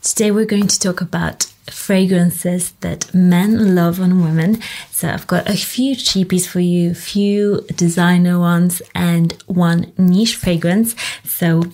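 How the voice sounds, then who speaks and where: A woman's voice: lowish voice, steady tone, slow pace, a little mellow. A woman hosting her fragrance channel, giving a casual product review and chatting away, often repeating words for emphasis.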